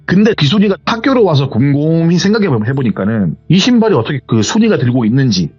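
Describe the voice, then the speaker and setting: A man's voice: mid-range voice, breathy edge. A man retelling a viewer's horror story in a rambling, conversational way, on a muffled recording with faint music. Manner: retelling with hearsay endings, rambling and animated.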